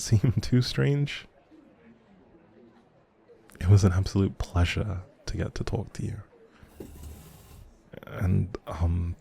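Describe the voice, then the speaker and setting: A lowish-voiced man fully inhabits the character of a kind, socially anxious stranger in an intimate audio roleplay, sounding apologetic and grateful. Soft and breathy, he rambles with hesitation and keeps doubting himself.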